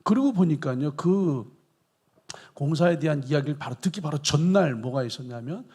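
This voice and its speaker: Pastor guy preaching in church, kinda husky voice, keeps repeating verses earnestly. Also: fairly high pitch, lively intonation, moderate pace, mellow. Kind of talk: sermon.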